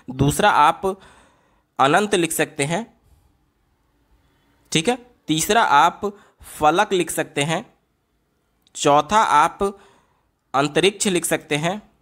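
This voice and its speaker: A man's voice: on the high side, a bit bright. A man teaching through exam questions step by step, posing questions and answering them himself while he writes on a board. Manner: explains step by step, asks and answers his own questions, repeats "theek hai?". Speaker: teacher solving exam papers. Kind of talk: exam-paper lesson explanation.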